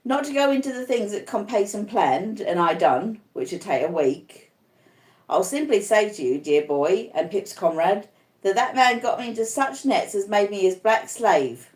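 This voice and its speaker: A woman narrating an audiobook as a rough old convict, confiding his past in plain, uneducated, rustic speech. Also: medium pitch, expressive, normal speed, a little mellow, roomy sound, close to an everyday voice. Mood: grim, reflective. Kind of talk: audiobook first-person narration.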